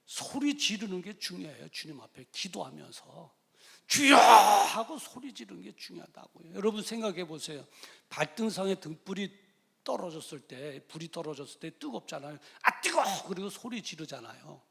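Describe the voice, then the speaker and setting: A male pastor preaching a sermon, emphatic and repeating key phrases, swinging between loud calls and quiet asides. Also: fairly high pitch, expressive, fairly quick, creaky, in a large hall. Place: church sanctuary.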